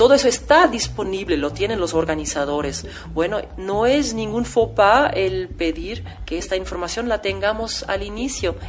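Noticeable background noise runs behind this woman's voice. She speaks in a German accent at a moderate pace. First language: German (speaking Spanish). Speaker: conference interpreter. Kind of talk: informational talk.

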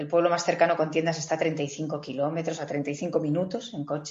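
With fairly even intonation, a woman talks at a moderate speed in a very deep, low pitch. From Spain, Barcelona and rural Teruel. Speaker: doctor and aid worker, author. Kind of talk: casual interview chat. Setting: video call.

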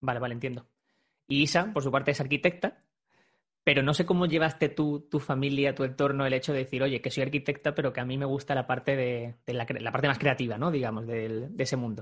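Somewhat breathy, a man speaks at a fairly high pitch with ordinary pitch variation. His pace is very fast. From Málaga, Spain. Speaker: podcast host. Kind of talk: interview conversation.

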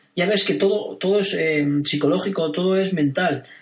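This man has a high pitch and lively intonation. He moves at a moderate pace. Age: 40s. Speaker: podcast host and online business coach. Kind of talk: motivational podcast monologue. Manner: hesitant with fillers.

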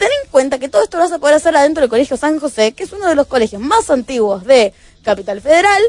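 With a Rioplatense accent, a woman speaks with lively intonation. The recording has a dry, close sound with no echo. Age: 40s. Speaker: gaming show panelist. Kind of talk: casual chat.

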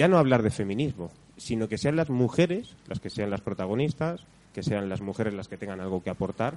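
Lively intonation carries a man's medium-pitched, plain, everyday voice. He speaks at a fairly quick pace. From Spain, Madrid. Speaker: podcast host. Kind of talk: casual interview.

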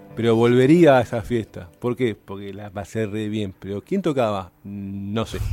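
A man in a Rioplatense accent speaks at a fairly slow pace with hardly any pauses and ordinary pitch variation. His loudness swings widely over background music. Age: 40s. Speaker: DJ. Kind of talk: radio interview. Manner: halting.

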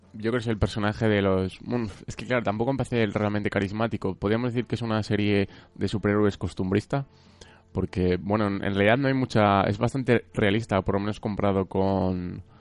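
With a Castilian accent, the speaker moves at a fairly quick pace with fairly even intonation. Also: man, fairly low pitch for a man. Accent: central Spanish (Castilian). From central Spain. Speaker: podcast host. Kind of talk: casual chat.

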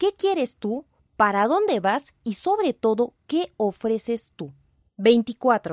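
At a very slow pace, a woman speaks with a fairly high pitch and lively intonation. The background is quiet, and the sound is dry and close with no echo. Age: 30s. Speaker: podcast host. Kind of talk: solo podcast monologue.

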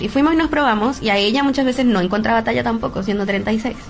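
A woman talks at a very fast pace. Background noise is noticeable. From Venezuela. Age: 20s. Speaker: content creator and podcaster. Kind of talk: casual chat. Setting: studio.

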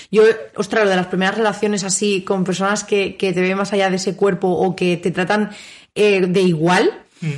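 A woman speaks at a medium pitch and a moderate pace with flat, monotone intonation. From Barcelona, Spain. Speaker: content creator and performer. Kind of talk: casual chat.

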